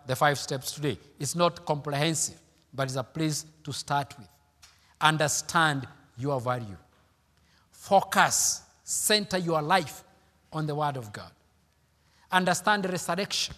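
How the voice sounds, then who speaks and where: A man's voice: fairly high pitch, bright, forceful tone, long reverb tail. A man, preaching an emphatic sermon, repeating his points and calling out hallelujah. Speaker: pastor.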